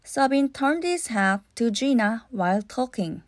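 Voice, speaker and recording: A woman's voice: on the high side, lively intonation, measured pace, no room sound, clean studio sound. A woman reading scripted narration for a children's audiobook. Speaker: storybook narrator.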